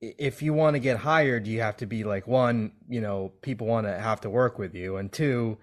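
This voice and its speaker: A man's voice: on the low side, moderate pace. A man hosting a casual podcast conversation, talking eagerly with lots of "like" fillers. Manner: eager and chatty, many "like" fillers. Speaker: podcast host.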